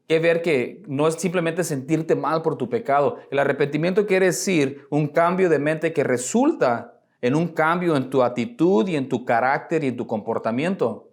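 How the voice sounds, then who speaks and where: A man preaching a sermon as pastor, conversational, joking lightly and acting out quoted speech. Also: on the high side. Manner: conversational preaching with rhetorical asides and light jokes.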